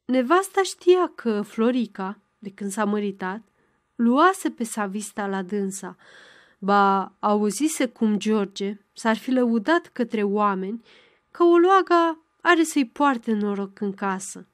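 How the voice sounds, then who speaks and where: A woman narrating a novel in a measured storytelling delivery. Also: mid-range voice, lively intonation, dry recording, clean studio sound. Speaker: audiobook narrator. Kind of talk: scripted literary narration.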